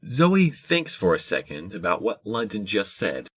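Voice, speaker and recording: A man narrating a scripted audio drama in a measured, descriptive storytelling manner. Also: fairly low pitch, very animated, fairly bright tone, husky, no room sound.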